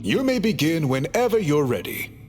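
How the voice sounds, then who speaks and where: An actor playing a formal, scholarly tribal chief who speaks in a measured, polite, explanatory way. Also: male voice, fairly high pitch, big pitch swings, soft background music. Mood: reassuring. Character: scholarly male tribal chief, calm, formal, reform-minded. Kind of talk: game cutscene voice acting.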